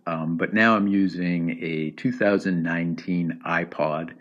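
A man with a deep, low voice hosts a casual solo podcast. He rambles along with frequent ums and restarts, speaking close to an iPod's built-in microphone at home. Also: fairly even intonation, a little slow, fairly bright tone, muffled recording. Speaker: podcast host. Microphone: iPod built-in microphone.

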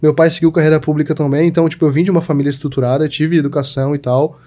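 A young man from Santa Catarina in southern Brazil, a digital marketer, chats casually as a podcast guest, peppering his speech with fillers like "tipo" and "sabe." His voice sits on the high side with a dark tone, and he talks very fast in a flat delivery.

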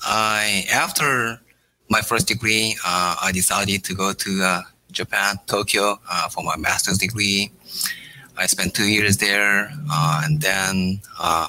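A middle-aged man from South Korea, a native Korean speaker, answering interview questions in halting phrases full of "uh" pauses. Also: deep voice, bright, forceful tone, a little hiss or hum, poor audio. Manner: halting, many "uh" fillers between short phrases. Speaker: startup founder, guest.

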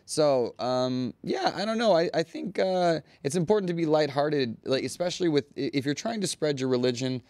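A man's voice: a little high, lively intonation, normal speed, hardly any pauses, darkish tone, no echo. A man co-hosting a casual news show, easygoing and thinking aloud with many fillers.

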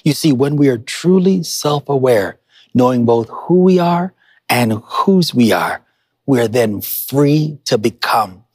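A man's voice: mid-range voice, expressive, slow pace, a little mellow, husky, dry recording, clean studio sound. A man preaching a motivational sermon as a pastor, speaking emphatically and instructing listeners directly, repeating key phrases for weight. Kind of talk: motivational sermon to an online congregation.

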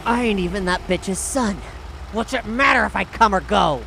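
A woman's voice: mid-range voice, normal speed, vocal fry, noisy background, lightly acted. A woman playing a defiant, wisecracking teenage boy thief in a roleplayed audio drama. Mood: insolent. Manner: wisecracking, insolent, slangy.

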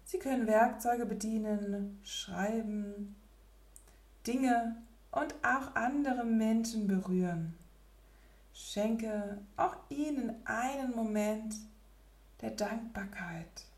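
A woman leading a guided relaxation meditation in a soft, breathy, near-whispered spa voice with gentle pauses. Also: on the high side, echoey room. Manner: slow, gentle, with long pauses.

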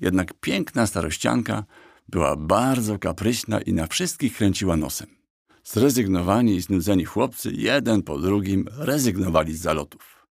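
A man lends his voice to a small black talking horse, boastful and mischievous, telling his tale with a sly, mocking edge. The voice sits low with a husky grain. It sounds close and dry, as in an audiobook. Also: a little mellow, dry recording. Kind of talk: audiobook character voice.

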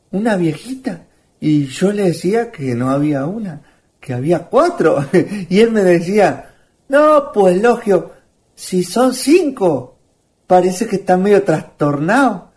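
A woman's voice: on the low side, a little mellow. A woman acting a shy, good-natured young countryman in a radio drama, with a Chilean accent and folksy speech. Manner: folksy, bashful.

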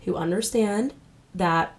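A woman's voice: on the low side, slow. A woman with a nasal voice co-hosting a podcast in candid, casual chat. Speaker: podcast co-host.

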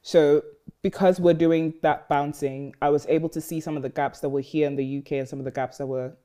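A woman's voice: sits low, fairly quick. A young woman from Ghana, a podcast guest, chatting casually and rambling with lots of "like" and "um". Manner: relaxed, rambling, many "like" and "um" fillers. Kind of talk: casual interview chat.

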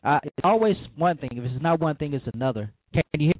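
A man hosting a call-in interview, halting and repeating words as his phone connection keeps breaking up. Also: fairly high pitch, lively intonation, no echo. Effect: phone line breaking up. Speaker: radio show host. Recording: tinny dry phone line.

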